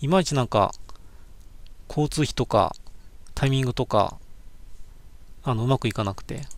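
Pausing often and at length, a man speaks at a medium pitch and a moderate pace. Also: ordinary pitch variation, very clean recording, silent background. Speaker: cycling travel streamer. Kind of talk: casual live-stream slideshow commentary. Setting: live stream from desk, recorded. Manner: sleepy-sounding, calm.

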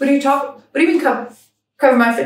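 Audible room echo surrounds a woman's high-pitched voice, which has ordinary pitch variation. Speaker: comedian. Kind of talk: stand-up comedy monologue. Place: home room. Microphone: phone near.

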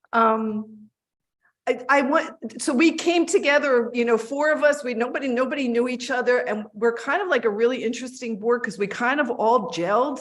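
With a Philadelphia accent, a woman talks at a moderate pace in a high voice with ordinary pitch variation. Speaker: board chair. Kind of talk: board meeting remarks.

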